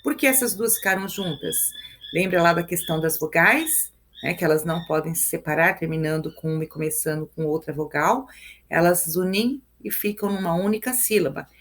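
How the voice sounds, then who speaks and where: A woman's voice: lowish voice, a little hiss or hum. Brazilian woman teaching step by step. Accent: Brazilian Portuguese. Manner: explains step by step, counts syllables aloud, tags lines with "né?" and "ok?". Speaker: Portuguese teacher. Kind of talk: live review lesson.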